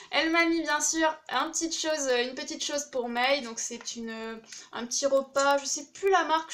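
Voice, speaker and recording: A woman's voice: high-pitched, fairly bright tone, a little hiss or hum. A young woman chatting casually and enthusiastically as she unboxes craft supplies, with many fillers. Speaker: craft YouTuber opening a swap package.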